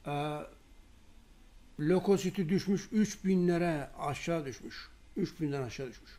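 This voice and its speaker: A man telling patient success stories as a talk monologue, acting out phone calls with quoted dialogue and often dropping his voice low and quiet. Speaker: herbal remedy seller. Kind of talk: testimonial storytelling monologue.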